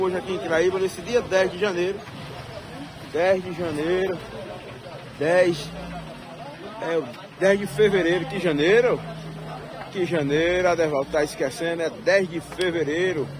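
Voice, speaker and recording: A man talks his way through an outdoor street market, recorded on a handheld phone. His voice sits a little high and his delivery is chatty and drawn out. Crowd chatter and traffic fill the background. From Northeast Brazil. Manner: chatty, drawn-out pitching of prices. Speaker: channel host filming a market. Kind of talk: casual vlog commentary.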